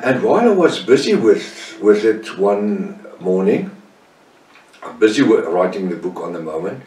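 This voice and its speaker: An older man from South Africa with an Afrikaans-tinged accent, leading a Bible study with slow, deliberate delivery, pausing on fillers and correcting himself. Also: fairly low pitch, very animated, darkish tone, reverberant, far from the mic, poor audio. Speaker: Bible teacher.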